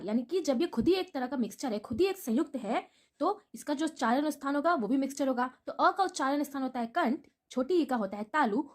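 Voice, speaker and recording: A woman with a high voice explains grammar to her viewers in a patient, repetitive teaching manner. She drills memory tricks over and over and poses questions she then answers herself. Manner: patient, repeats mnemonics and asks rhetorical questions. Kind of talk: explanatory video lesson.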